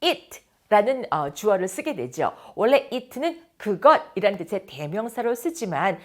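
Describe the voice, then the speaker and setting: A woman teaching an English lesson on radio, explaining patiently and repeating English phrases slowly for practice. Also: medium pitch, sing-song.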